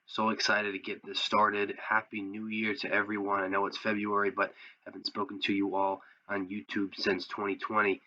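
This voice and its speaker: A man with a lowish but bright, forceful voice that sounds a bit sick. He walks through material like an informal online instructor, step by step, asking and answering his own questions. The recording is slightly dull and lo-fi. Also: monotone, moderate pace, dry recording. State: sick, voice affected by illness. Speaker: host, trading instructor. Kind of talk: casual tutorial commentary over trading charts.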